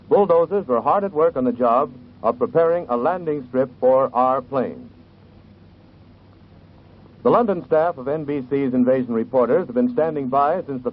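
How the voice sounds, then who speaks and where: A male newsroom announcer reads a bulletin in a measured, formal manner at a middle pitch. His voice comes through a tinny 1940s radio broadcast, narrow and phone-like. A faint hiss sits under the old recording. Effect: old 1940s radio broadcast sound.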